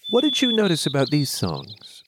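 A man's voice: a little high, huge pitch swings, normal speed, very noisy. A man hosting a public radio show, friendly and upbeat, lightly joking with his guest. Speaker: radio host.

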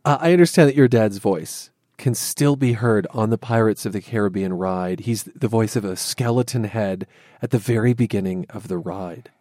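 A man from Southern California with an American accent, hosting a public radio interview in a measured, articulate way. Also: fairly low pitch, a little mellow, no room sound, studio quality. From Southern California, USA.

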